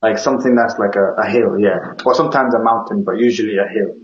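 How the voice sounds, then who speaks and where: A man's voice: lowish voice, fairly even intonation, fast talker, slight background noise. A man from Kenya with an East African accent hosting a casual word-by-word language chat, asking questions and repeating words back. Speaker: host comparing vocabulary with a guest. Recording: echoey room, slightly dull lo-fi sound.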